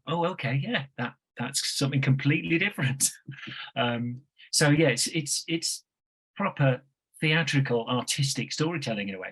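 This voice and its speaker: A man with a husky, medium-pitched voice speaks as a radio producer in conversation on a video call. He is reflective, pauses often and repeats a phrase to drive it home. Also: poor audio. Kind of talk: conversational panel talk on an online call.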